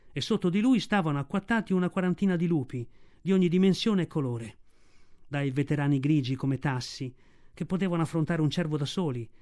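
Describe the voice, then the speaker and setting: A man reading a classic story aloud as a radio audiobook narrator, with expressive storytelling. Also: on the high side. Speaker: audiobook reader. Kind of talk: scripted narration.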